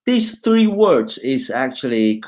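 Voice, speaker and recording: A man in his forties with a Hong Kong accent, raised in China and Hong Kong, talking informally as a guest professor on a video call, halting and repeating words. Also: medium pitch, sing-song, darkish tone. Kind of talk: informal online talk with slides. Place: small room at home.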